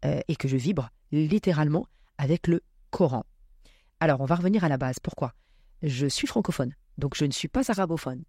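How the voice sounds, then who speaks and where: A woman speaking as a podcast guest, reflecting on spiritual matters with many pauses and fillers. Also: low voice, mellow, no echo, clean studio sound.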